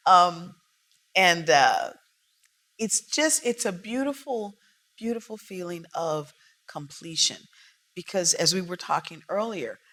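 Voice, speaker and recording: A woman speaking as an interview guest, her voice low-pitched yet bright and forceful. She tells her stories in an animated, emphatic way. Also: slow pace. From United States. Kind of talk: casual interview conversation.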